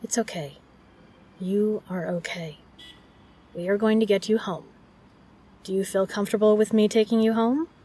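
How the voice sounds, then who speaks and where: A woman's voice: medium pitch, steady tone, moderate pace, pauses often, dark tone, slightly rough, close to an everyday voice. A woman playing a kind, protective, flirtatious bar regular in an audio roleplay, speaking earnestly and reassuringly to the listener. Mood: soothing.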